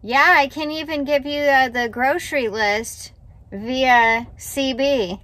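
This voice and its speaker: A woman's voice: high-pitched, slow. A woman in her thirties chatting casually over a CB radio, in short conversational replies. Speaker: host's wife helping with radio test. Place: inside a parked car. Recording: dull, noisy CB radio audio.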